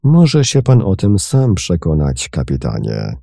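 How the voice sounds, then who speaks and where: A man voicing a cool, bold gentleman adventurer who speaks calmly and firmly in a storybook reading. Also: sits low, unhurried, vocal fry, no room sound, studio quality, heavily acted. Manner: calm, firm, commanding.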